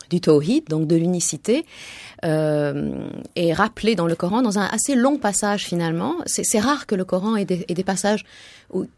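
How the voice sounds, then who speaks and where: Measured woman co-hosting a radio talk. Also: lowish voice, a little mellow, no room sound. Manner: measured, explanatory. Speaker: co-host and commentator. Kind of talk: radio discussion.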